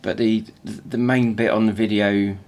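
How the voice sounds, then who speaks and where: A man with a croaky morning voice teaching jewellery making in a casual, halting way, often repeating words as he talks. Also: on the low side, flat delivery, darkish tone. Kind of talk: casual workshop tutorial voice-over.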